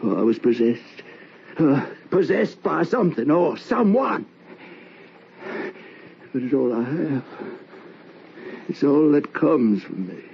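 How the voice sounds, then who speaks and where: Haunted, halting husband, old noisy radio. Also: male voice, on the high side, sing-song, creaky, highs cut off, full character voice. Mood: desperate denial. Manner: halting, repeating words, tormented. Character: haunted, guilt-ridden husband confessing his wife's murder. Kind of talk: old-time radio horror drama acting, dramatic monologue.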